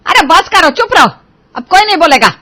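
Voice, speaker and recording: A woman's voice: on the high side, sing-song, moderate pace, fairly bright tone. A woman voicing a bossy, scolding mother-in-law in a storybook tale. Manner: scolding, commanding. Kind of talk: storybook character voice.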